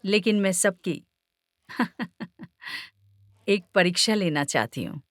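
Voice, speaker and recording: A woman's voice: mid-range voice, slow pace, dry recording, natural voice. A woman playing a stern proud queen mother. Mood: imperious. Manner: commanding, formal. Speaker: queen mother seeking a bride for her son. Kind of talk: dubbed film drama.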